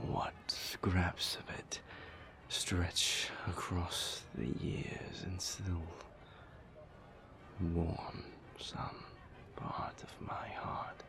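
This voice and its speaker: A man playing an urbane, old-souled vampire lover in an intimate audio roleplay, wry and tender, speaking in languid, formal phrases with a breathy murmur. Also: full character voice. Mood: wistful, brooding. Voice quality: breathy, low, creaky.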